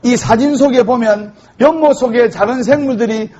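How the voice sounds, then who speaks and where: Monk voicing a Gyeongsang schoolteacher, blunt and exasperated; high, husky, on a dull lo-fi track. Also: male voice, normal speed, dark tone. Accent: Gyeongsang Korean. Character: grumpy male teacher with a Gyeongsang accent. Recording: dull lo-fi recording.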